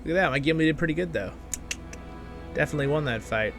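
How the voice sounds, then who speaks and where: A man hosting a gaming video with casual, excitable commentary, talking half to himself and half to his viewers. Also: on the high side, fast, creaky, music in the background. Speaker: gaming channel host. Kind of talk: casual gameplay commentary, with expressive story reading.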